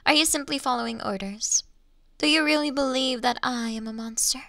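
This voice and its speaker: A woman's voice: high-pitched, brisk, gravelly, fairly bright tone, no room sound, studio quality. A woman playing a refined female monster who toys with a hunter in a Victorian fantasy audio roleplay, speaking in mocking, formal, old-fashioned phrases and often slipping toward a whisper. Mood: sly, probing.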